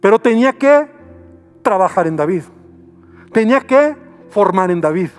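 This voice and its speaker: A pastor preaching a sermon with a Mexican Spanish accent, acting out people's pleas in short dramatic bursts and dropping to a near murmur to stress a point. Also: male voice, high voice, lively intonation, normal speed, faint music behind.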